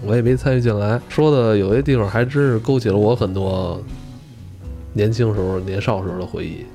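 A man, co-hosting a podcast in a relaxed, chatty way with mild swearing. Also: fairly low pitch, a little fast, faint music behind. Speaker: podcast co-host. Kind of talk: casual podcast chat.

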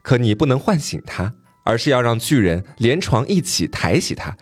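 A wise talking white horse from a fairy tale, as a male podcast storyteller puts it on, speaking with steady, instructing calm. The pitch moves in a lively way, and the recording is close and dry. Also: normal speed, slightly rough, dry recording. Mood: calm advice.

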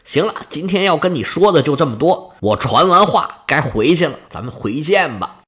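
A man voicing a divine messenger goddess, giving brisk, bossy instructions. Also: on the high side, big pitch swings, a bit bright, voice pushed down. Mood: instructing.

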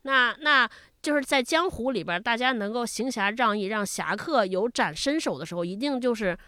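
A man's voice: very high-pitched, expressive, moderate pace, bright, forceful tone, dry recording, studio quality. A man on a podcast in a casual book discussion, thinking aloud and posing questions to himself. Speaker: podcast panelist.

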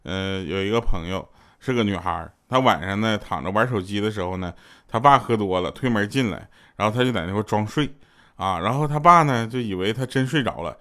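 A man's voice: on the low side, a little fast, fairly bright tone. A man telling funny stories in a loose, chatty way, often laughing at his own punchlines. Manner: loose, conversational, many fillers. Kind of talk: chatty comic storytelling.

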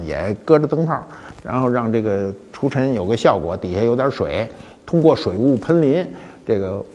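A man's voice: mid-range voice, a little mellow, slightly rough, in a large hall. An older man, hosting a casual talk on antiques with wry, storytelling asides. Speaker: host of a web talk show. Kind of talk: casual spoken lecture on antiques.

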